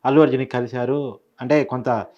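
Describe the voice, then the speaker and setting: A man's voice: medium pitch, steady tone, a little fast, lo-fi sound. A man speaking as a political editor in an unscripted news discussion, emphatic, repeating phrases and posing rhetorical questions. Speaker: political editor giving analysis.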